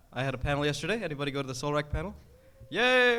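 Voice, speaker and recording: A man talking at a very fast pace with lively intonation over noticeable background noise. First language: not English. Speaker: voice actor. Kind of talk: convention panel talk. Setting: stage with audience.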